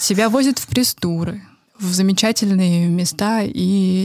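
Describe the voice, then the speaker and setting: This woman has an unremarkable speaking voice at a medium pitch with ordinary pitch variation. The sound is dry and close, with no echo. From Kalmykia, Elista. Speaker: magazine editor-in-chief. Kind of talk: casual chat. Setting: studio.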